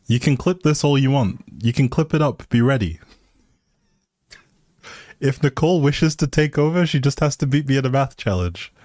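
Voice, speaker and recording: A man's voice: medium pitch, expressive, moderate pace, darkish tone, no room sound, studio quality. A man hosting a casual game livestream, talking to his viewers with playful, teasing informal banter.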